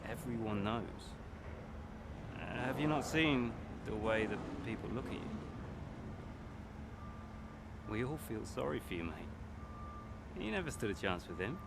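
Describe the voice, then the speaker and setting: A smug rival driver. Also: male voice, medium pitch, expressive, normal speed, vocal fry, very noisy. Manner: taunting, smug. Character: cocky young male rival racing driver, mocking.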